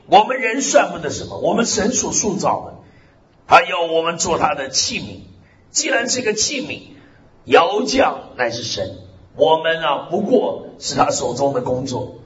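A man preaches with lively, sweeping pitch, stretching out key phrases and dropping in amens and hallelujahs. His voice sits a little on the high side. The recording is slightly muffled, with a faint hiss underneath. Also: unhurried. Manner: swings pitch widely, drawls key phrases. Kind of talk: sermon.

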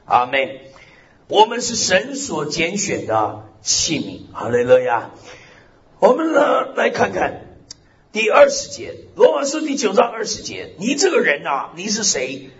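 A man preaches with lively, sweeping pitch, stretching out key phrases and dropping in amens and hallelujahs. His voice sits a little on the high side. The recording is slightly muffled, with a faint hiss underneath. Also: unhurried. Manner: swings pitch widely, drawls key phrases. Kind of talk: sermon.

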